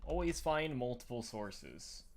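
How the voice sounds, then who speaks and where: A man's voice: medium pitch, sing-song, measured pace, vocal fry, a little mellow. A man co-hosting a casual online show, talking in a rambling way with many fillers and restarts. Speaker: podcast co-host. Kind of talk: casual chat.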